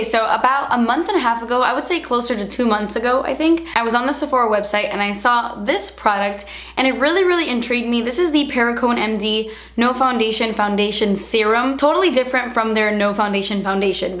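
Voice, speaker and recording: A woman in her twenties reviewing her favorite makeup products in a chatty, gushing way, her voice a little hoarse from shouting. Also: on the high side, reverberant. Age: 20s. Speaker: beauty vlogger.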